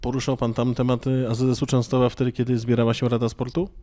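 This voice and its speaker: A young male reporter asks pointed, persistent questions in a small office. His voice is flat and even, with a darker, mellow tone. He speaks into a handheld mic. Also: medium pitch, quick pace. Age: young adult. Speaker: radio reporter. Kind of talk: interview questions.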